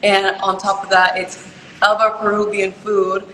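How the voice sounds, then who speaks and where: A woman's voice: medium pitch, level tone, unhurried, a bit bright, a little hiss or hum. A young woman, raised in California, answering interview questions in an earnest, chatty way full of "like" and "you know". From born in Peru, raised in California. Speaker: pageant contestant interviewee. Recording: echoey room with long reverb.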